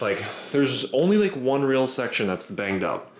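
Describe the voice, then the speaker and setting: At a moderate pace, a man talks. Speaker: car enthusiast vlogger. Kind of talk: casual vlog unboxing. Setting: at home. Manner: loud; animated.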